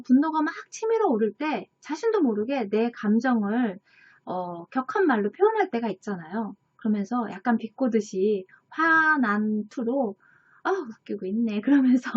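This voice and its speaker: A woman's voice: a little high, breathy edge. A woman hosting a book channel, talking earnestly in a casual tone and sometimes acting out angry remarks. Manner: earnest, acts out quoted angry lines. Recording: dull lo-fi recording.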